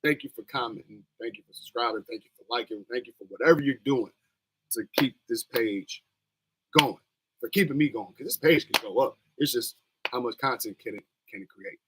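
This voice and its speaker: Brisk and mid-range, the scratchy voice of a young male streamer carries this casual livestream chat. He's hosting a wrestling watch-along, speaking loosely with plenty of slang and rambling.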